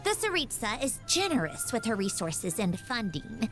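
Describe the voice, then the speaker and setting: A woman's voice: a little high, very animated, normal speed, a bit bright. An actress voicing a proud, ladylike young machine doll in a video game, with a prim, precisely worded delivery. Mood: composed, aloof. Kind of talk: scripted video game character voice lines. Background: music.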